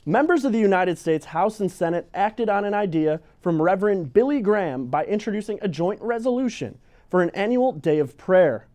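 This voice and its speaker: Male local newsreader, high pitch, mellow tone, reading scripted items. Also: lively intonation, normal speed. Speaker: local news presenter. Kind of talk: scripted news narration.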